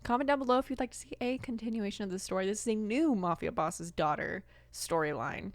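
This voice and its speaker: A woman in her twenties, an audio creator giving an upbeat outro with thanks and shout-outs to listeners. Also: medium pitch, fast, no room sound. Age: 20s.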